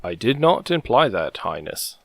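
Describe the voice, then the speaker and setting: A man's voice: on the low side, big pitch swings, normal speed, vocal fry, no echo, clean studio sound, full character voice. A man acting a prim, formal royal retainer in a fan audio drama, courteous and precise in his wording. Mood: politely reproving.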